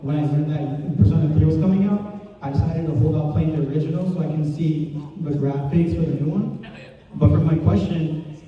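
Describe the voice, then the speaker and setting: A man's voice: a little high, a little fast. A man in the audience politely asking the panel a question. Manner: polite, earnest. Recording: muffled, echoey hall from far off.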